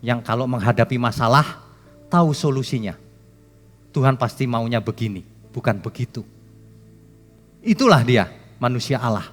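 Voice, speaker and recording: A man preaching a sermon as pastor, emphatic and joking with the congregation, his voice swinging from loud to soft. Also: mid-range voice, animated, normal speed, pauses often, long reverb tail, soft background music. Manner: jokes with the congregation.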